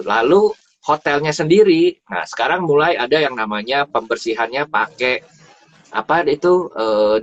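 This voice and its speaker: A man giving a casual, animated talk about travel on a live stream, often repeating words for emphasis. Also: medium pitch. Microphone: phone or live stream mic. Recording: dull dry live stream audio.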